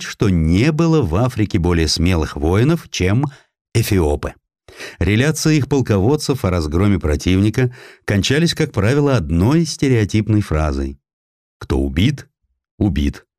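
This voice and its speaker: A man reads a historical tale as scripted audiobook narration, with a dramatic, expressive storytelling delivery. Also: lowish voice, normal speed, no room sound, studio quality.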